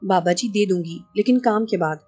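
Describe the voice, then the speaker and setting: A proud, vengeful wealthy woman, voiced by a woman narrator in an audio novel, giving orders and pressing for answers. Her voice is mellow and dark over faint background music. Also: mid-range voice, natural voice. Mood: haughty. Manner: imperious, demanding. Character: haughty rich woman in her forties, vengeful and impatient.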